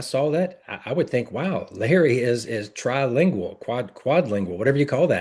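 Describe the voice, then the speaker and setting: A man with a Kentucky accent, medium pitch, moderate pace, and lively intonation. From Kentucky, US. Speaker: business presenter. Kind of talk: sales pitch. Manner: animated.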